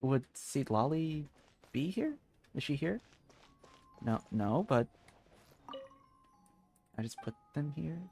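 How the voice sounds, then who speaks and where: A man doing live game-stream commentary, excitable and chatty with viewers, sometimes reading dialogue aloud. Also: a little high, takes it slowly, vocal fry, pauses often, soft background music.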